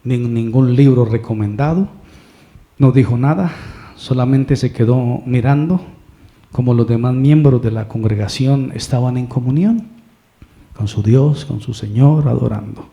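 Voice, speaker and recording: A male preacher with a Colombian Spanish accent, telling a story slowly and deliberately, acting out the dialogue. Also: medium pitch, creaky, warm tone. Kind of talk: sermon storytelling.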